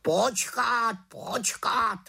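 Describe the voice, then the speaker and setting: A woman voicing a bossy male raven in a storybook reading, croaking and scolding. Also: on the high side, bright, forceful tone, pitched above the performer's own voice, heavily acted.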